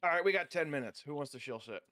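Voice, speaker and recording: A man's voice: on the high side, lively intonation, quick pace, sharp tone. A man co-hosting a live stream, tossing out blunt jokes and laughing at the others. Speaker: co-host. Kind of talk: casual live stream banter.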